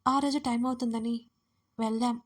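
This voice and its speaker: A woman voicing an emotional young woman in an audio story, speaking softly and with heartfelt feeling. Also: a little high, fairly even intonation, moderate pace, lightly acted. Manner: soft, tearful, heartfelt.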